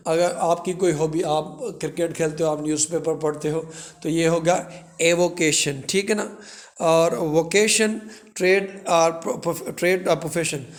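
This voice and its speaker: Male teacher, slightly higher voice, explains word pairs patiently with examples. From Pakistan. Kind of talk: classroom vocabulary lesson.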